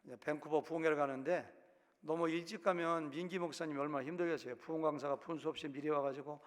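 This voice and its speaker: This male pastor, originally from Chungcheong province in Korea, keeps his fairly high voice steady while delivering his sermon fast. He carries a Chungcheong Korean accent and performs quotes with varying voices, all echoing with long hall reverb in the church sanctuary.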